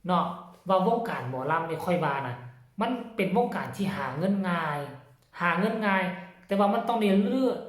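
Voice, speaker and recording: A man with an Isan Thai accent hosting his channel, chatting casually and often addressing his viewers directly. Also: high-pitched. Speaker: channel host. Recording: roomy echo.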